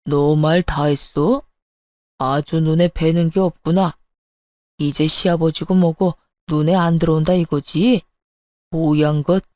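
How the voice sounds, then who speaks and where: A woman playing an arrogant older father-in-law in a narrated story. He speaks low, loud and stern, like a man scolding someone beneath him. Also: steady tone, a little slow, dry recording, studio quality. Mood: furious. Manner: stern, barking.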